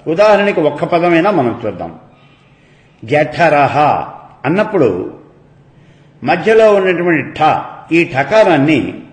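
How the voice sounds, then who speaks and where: Male lecturer, unhurried and careful, lively rising and falling pitch, roomy reverb on the voice. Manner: measured, deliberate, stretches example syllables. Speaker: lecturer on Vedic chanting. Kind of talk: slow explanatory lecture.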